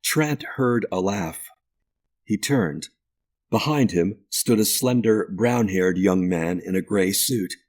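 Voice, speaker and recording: A man narrating a ghost story audiobook in a measured, deliberate way. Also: fairly low pitch, a little mellow.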